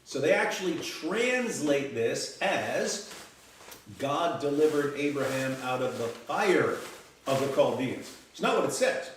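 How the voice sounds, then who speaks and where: A man's voice: on the high side, very animated, unhurried. A man on a panel explaining a point step by step, repeating words as he builds it. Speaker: panel guest. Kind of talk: explanatory talk. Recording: echoey room, distant mic, faint noise.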